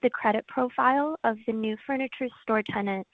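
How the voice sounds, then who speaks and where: A woman's voice: fairly high pitch, brisk, no room sound. A woman analyst politely asking questions on an earnings call. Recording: dry tinny phone line.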